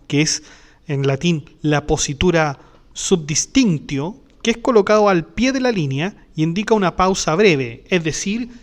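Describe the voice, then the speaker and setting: A man hosting a philosophy channel, explaining a topic in a patient lecture style and often checking in with his listeners. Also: high-pitched.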